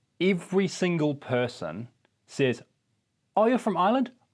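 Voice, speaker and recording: Here a man speaks at a high pitch with very wide pitch swings. The recording is very clean, with a silent background. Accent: New Zealand. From New Zealand. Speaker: podcast co-host. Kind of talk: casual chat.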